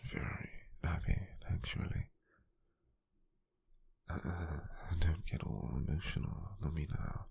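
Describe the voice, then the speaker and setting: A British man playing a gentle, doting wizard sweetheart in an intimate ASMR roleplay, speaking in a breathy, husky near-whisper with a tender, hesitant, teasing manner. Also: very deep voice, steady tone, slow, long pauses, full character voice. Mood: softly teasing.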